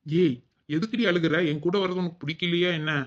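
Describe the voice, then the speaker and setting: A woman's voice: lowish voice, steady tone, brisk, lo-fi sound, natural voice. A woman voicing a young village husband, teasing and easygoing.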